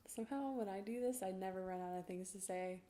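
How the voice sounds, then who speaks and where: A woman's voice: medium pitch, fast talker, mellow. A woman chatting casually as the artist of the video, playful and self-deprecating about her work. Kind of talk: casual chat over art footage.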